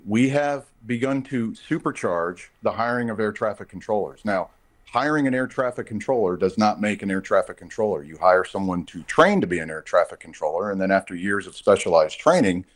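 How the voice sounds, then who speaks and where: A man with a fairly low voice answers as a guest in a news interview. He speaks off the cuff as a union representative, explaining his points with firm emphasis and repeating phrases for stress. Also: expressive, normal speed.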